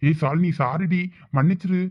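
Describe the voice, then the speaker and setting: A woman's voice: low-pitched, moderate pace, dull audio. A woman voicing a remorseful young husband in a cartoon, pleading and apologetic, with a Thoothukudi Tamil accent.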